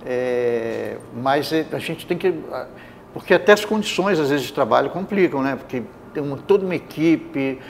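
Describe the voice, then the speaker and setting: A man's voice: mid-range voice, animated, normal speed, gravelly, slight background noise. An older man, an actor, talking as a guest in a TV studio interview, rambling and restarting his sentences as he thinks, on a lapel mic. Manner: rambling, restarts mid-thought. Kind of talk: casual studio interview chat. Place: bright indoor TV studio, seated.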